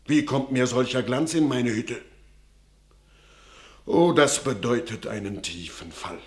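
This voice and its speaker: A man's voice: mid-range voice, unhurried, natural voice. An actor playing an anxious, pious old peasant father in a classical radio play, solemn and declamatory. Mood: fearful warning. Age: older.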